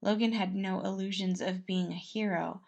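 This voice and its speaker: A woman's voice: medium pitch, steady tone, moderate pace, creaky, darkish tone, lo-fi sound. A woman reading a story aloud as narrator, in a storytelling style. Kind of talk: storytelling narration of fan fiction.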